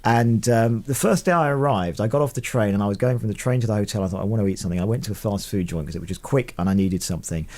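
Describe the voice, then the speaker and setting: A man's voice: fairly low pitch, quick pace, hardly any pauses, a little mellow. A man hosting a radio show, teasing his guests and telling anecdotes in casual chat. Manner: teasing, chatty, storytelling. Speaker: radio host. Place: radio studio.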